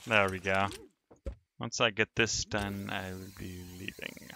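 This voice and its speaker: A man's voice: on the low side, level tone, unhurried, gravelly, sharp tone, slight background noise. A man streaming a sandbox building game, thinking aloud in casual commentary as he narrates each step of his work.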